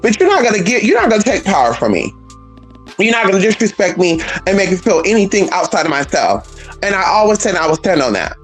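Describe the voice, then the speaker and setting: Sassy, lively trans woman vlogger. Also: mid-range voice, fast talker, faint music behind. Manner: sassy, blunt, profane; animated, emphatic. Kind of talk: casual vlog rant.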